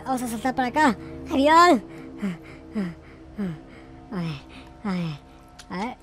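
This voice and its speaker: A man playing a naive, panicky noob game character in excited, repetitive roleplay commentary. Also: very high-pitched, slow, heavily acted. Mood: panicked. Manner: frantic, repetitive, exclamatory. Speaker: gaming video creator. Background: faint music.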